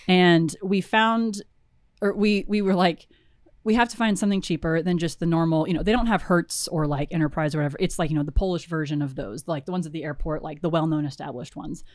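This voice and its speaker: Brief: young woman, producer guest, lowish voice, dry close sound, rambling animated storyteller. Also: brisk, no room sound. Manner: animated, laughing, many fillers and restarts. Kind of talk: casual storytelling interview.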